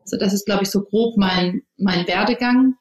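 A woman's voice: mid-range voice, moderate pace. A woman in her thirties, a company founder and native English speaker, talking casually in an interview, thoughtful and full of fillers and restarts. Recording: roomy echo.

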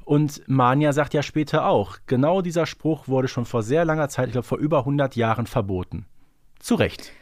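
A man's voice: medium pitch, normal speed, a little mellow, no echo. Dry-sounding male podcast co-host, explanatory. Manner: explanatory, thinking aloud. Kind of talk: casual analytical discussion of an audio drama series.

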